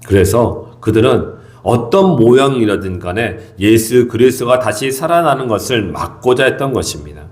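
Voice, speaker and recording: Middle-aged man, pastor, dawn sermon; earnest teaching tone, lively pitch movement, stresses points by repeating them. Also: normal speed. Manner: earnest, expository preaching with repeated emphasis. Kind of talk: early morning sermon.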